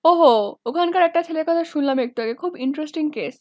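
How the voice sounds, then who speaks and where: A woman's voice: high voice, fast, no room sound, studio quality, close to an everyday voice. A woman voicing a young male student in a storybook who drags out his words, stressing each and letting it drop. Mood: languid.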